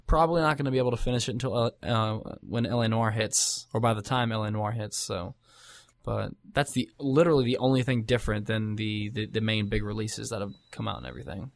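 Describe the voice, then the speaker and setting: A man's voice: lowish voice, fast talker, creaky, no room sound. A man co-hosting a casual chat about games, rambling with many fillers and restarts.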